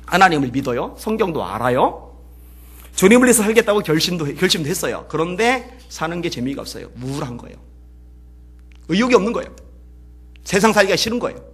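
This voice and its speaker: Husky, bright-toned Korean pastor. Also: male voice, fairly high pitch. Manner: storytelling, swings between hushed and loud emotional peaks. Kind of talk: sermon. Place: church.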